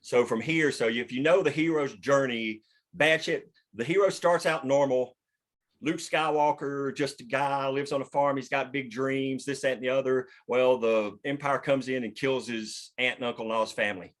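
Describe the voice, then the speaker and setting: Male writer-host, casual group discussion, halting mid-sentence pauses, mildly profane. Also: medium pitch, fairly even intonation. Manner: halting, pausing mid-sentence to find words. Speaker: writer and host leading a table read.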